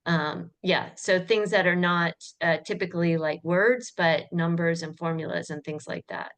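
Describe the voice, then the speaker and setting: A woman's voice: fairly low pitch, steady tone, moderate pace, fairly bright tone. A woman on a judging panel asking a student a question, encouraging and patiently rephrasing it. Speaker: competition judge.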